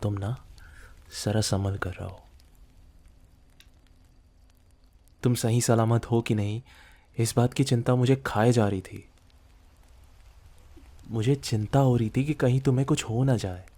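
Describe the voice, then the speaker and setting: A man's voice: medium pitch, fairly even intonation, measured pace, long pauses, mellow. A man playing a possessive, menacing mafia boss lover in an intimate ASMR roleplay, speaking in a threatening, teasing way to the listener. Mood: worried, possessive.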